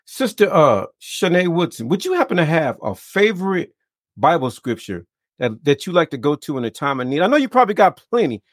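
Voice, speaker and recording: A man hosting a faith podcast as a minister, talking in a casual, warm-hearted preacher way with lots of repeated amens and greetings. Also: on the high side, brisk, no echo, studio quality. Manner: lively, repetitive, preacher-like affirmations. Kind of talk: casual interview.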